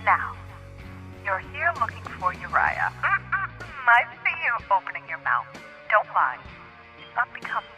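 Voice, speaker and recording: A woman's voice: on the high side, wildly swooping pitch, unhurried, bright, forceful tone, faint music behind, full character voice. An actress playing a smug, sadistic villain who taunts her captives with mock politeness in an audio drama. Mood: taunting, cruel.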